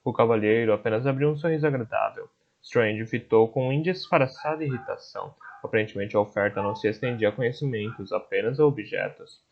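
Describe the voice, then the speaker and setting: A man narrating an audiobook chapter in a steady storytelling manner. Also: on the low side, a little fast, creaky, few pauses, muffled recording.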